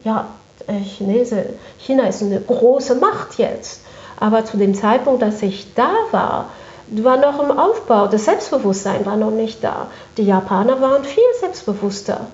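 A woman's voice: on the high side, animated, a little slow, darkish tone. A woman speaking as an interview guest, recounting her work conversationally and repeating phrases for emphasis. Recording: echoey room, dull muffled sound.

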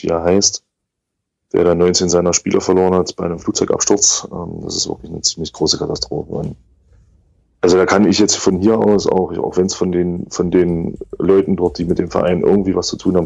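A man co-hosting a casual fan podcast, talking thoughtfully and haltingly with repeated words. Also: sits low, level tone, vocal fry, darkish tone, breathy edge, dry recording. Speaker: podcast co-host. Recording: dry, slightly dull sound.

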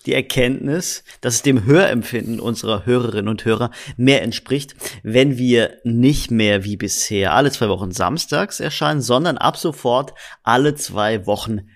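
Podcast co-host, male, casual chat, halting delivery with frequent restarts. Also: mid-range voice. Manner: halting, many restarts and fillers.

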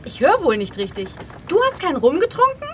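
An indignant tourist, voiced by a woman who argues in outraged bursts. Her voice is high and leaps wildly in pitch. A faint hiss runs behind the radio-play recording. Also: huge pitch swings, fairly quick. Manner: outraged, argumentative.

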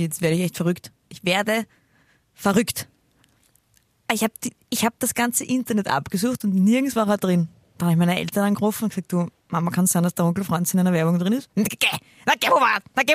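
A woman, co-hosting a casual chat and telling an animated, teasing story. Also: medium pitch, no echo, studio quality.

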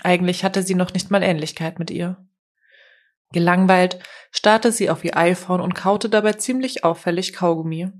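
A woman reads a novel aloud as an audiobook narration, keeping a steady, measured pace. Her voice is slightly lower than the typical woman's, and her delivery flows smoothly and evenly.

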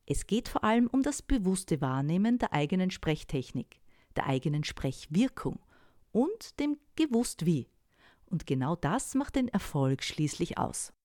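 A woman voice coach giving calm, scripted instructional advice, often asking rhetorical questions. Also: on the low side, unhurried, dry recording, clean studio sound. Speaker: voice and sales-speech coach.

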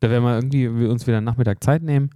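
Male podcast co-host, soft-edged mellow voice, dry close sound, agreeable, halting, word-repeating casual delivery. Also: medium pitch, fairly even intonation, clean tone, dry recording. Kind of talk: casual chat.

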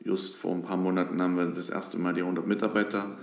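Man in his thirties, low and gravelly, roomy sound, thoughtful interview guest. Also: fast talker. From Dresden, Germany. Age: 30s. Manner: thoughtful, many fillers and restarts, lively when animated. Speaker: guest, company managing director. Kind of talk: interview answers.

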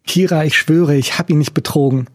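A man voicing a guilt-ridden young woman who pleads in a raised, higher voice, read as an audiobook character. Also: fairly quick, lightly acted. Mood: pleading.

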